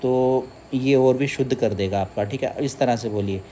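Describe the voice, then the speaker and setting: This mellow, medium-pitched male teacher works through a Sanskrit stotram by splitting words syllable by syllable before chanting them in a slow, melodic way. He raises questions and supplies the answers himself, over a little background noise.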